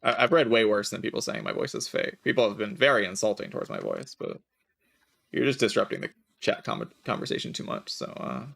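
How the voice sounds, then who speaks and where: A man streaming a game, chatting casually in a relaxed, raspy voice with vocal fry, often saying "like". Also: lowish voice, a little fast. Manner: relaxed, laid-back, chatty with filler "like". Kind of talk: casual chat while gaming.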